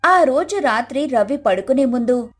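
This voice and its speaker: Female storyteller, high voice, scripted moral-tale narration over music. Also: animated, moderate pace, husky.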